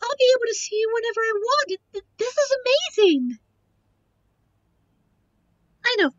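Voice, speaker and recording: A woman's voice: very high-pitched, big pitch swings, moderate pace, no room sound, highs cut off. A woman playing a young, devoted succubus girlfriend in an audio roleplay, earnest, emotional and protective. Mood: joyful, tender. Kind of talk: audio roleplay drama acting.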